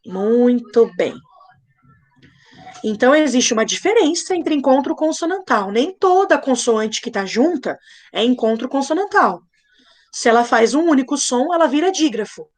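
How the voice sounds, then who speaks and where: A young woman teaching a live online class to children, patient and playful, slowly spelling things out. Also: high-pitched, lively intonation. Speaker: primary school teacher.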